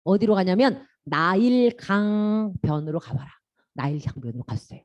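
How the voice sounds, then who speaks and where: A woman giving a children's sermon as a Sunday school teacher, animated and constantly quizzing the children. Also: medium pitch, moderate pace, no room sound.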